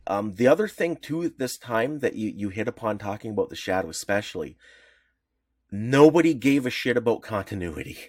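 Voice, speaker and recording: A man's voice: lowish voice, expressive, a little fast, a little mellow, no echo, studio quality. A man co-hosting a podcast in casual chat, rambling with frequent restarts. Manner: rambling, many restarts, laughs easily. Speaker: podcast co-host.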